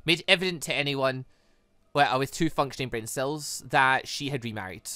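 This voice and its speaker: A cool, guarded young villainess from a visual novel, read out by a British man. The delivery is measured and scheming, with a low-key edge. The voice is bright and closely, dryly recorded. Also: dry recording, faint music behind, natural voice. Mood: guarded, bitter. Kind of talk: reading game dialogue aloud.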